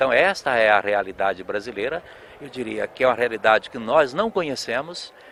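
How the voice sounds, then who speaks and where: Noticeable background noise accompanies a man at medium pitch whose lively intonation comes with big swings in loudness. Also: moderate pace. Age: 60s. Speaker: labor lawyer and union educator. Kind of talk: interview. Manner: formal.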